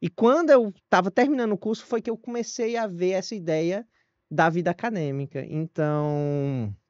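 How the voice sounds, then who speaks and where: A man with a northeastern Brazilian accent, a guest historian telling his own story in an interview, animated and self-deprecating. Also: sits high, moderate pace, no room sound. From Northeast Brazil (Paraíba, Ceará). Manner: animated, self-deprecating, frequent restarts and laughs. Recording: dull lo-fi dry audio.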